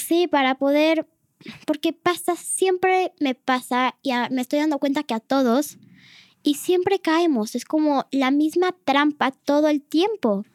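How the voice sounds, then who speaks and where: A woman's voice: high voice, no echo, studio quality. A teenage girl, a podcast guest, sharing her feelings in an earnest, hesitant way. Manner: hesitant, many fillers and restarts, earnest. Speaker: guest, host's daughter. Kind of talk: casual personal sharing.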